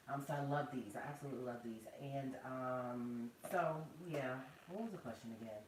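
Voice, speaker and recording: A woman hosting a casual planner livestream with a soft, soothing voice, chatty and quick to laugh, speaking. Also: very deep voice. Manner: chatty, laughs often, slow and relaxed. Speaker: planner channel host. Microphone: external mic, later removed. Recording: roomy, distant, faint background noise.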